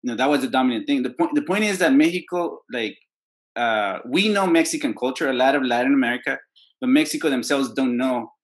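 Man, casual talk, hesitant, lots of fillers, reflective, medium pitch. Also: expressive, a little fast. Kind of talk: casual conversation.

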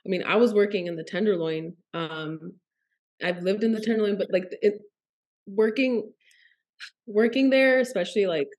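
A woman's voice: mid-range voice, normal speed, a little mellow. A woman, a guest on a podcast, talking casually and emotionally, often searching for her words.

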